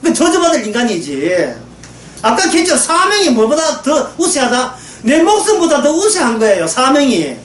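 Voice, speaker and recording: A woman preaches a sermon in a high, sing-song voice at a moderate pace, with a little hiss or hum in the audio. She is emphatic, piles on rhetorical questions, and often prods her listeners to agree. It was recorded from a distance in an echoey room with faint ambience.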